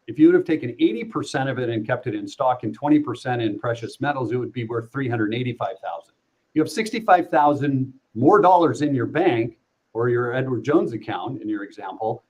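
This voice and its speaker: A man's voice: medium pitch, darkish tone, muffled recording. A middle-aged man, a company representative guesting on a livestream, explaining investments fluently and confidently. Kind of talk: casual interview.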